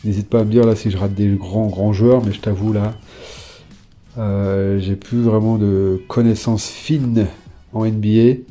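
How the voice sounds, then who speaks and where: Dark-voiced casual man chatting to viewers. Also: fairly low pitch, a little slow, soft background music. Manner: chatty, talks straight to viewers, sudden excited exclamations; hesitant, many fillers while reading names. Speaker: YouTuber showing his old trading cards. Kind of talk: casual off-the-cuff commentary.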